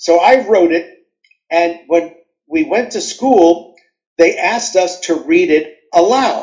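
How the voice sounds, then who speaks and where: A man with an American accent speaks at a very slow pace. His pitch sits high and his intonation is lively. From Brooklyn, New York. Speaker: drama professor and educator. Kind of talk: interview storytelling. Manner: animated.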